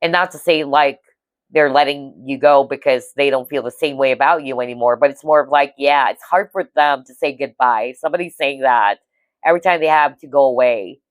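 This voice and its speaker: A woman's voice: a bass voice, brisk, no room sound. A woman giving a casual tarot reading to viewers, chatty and reassuring, often checking in with "okay?". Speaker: tarot reader.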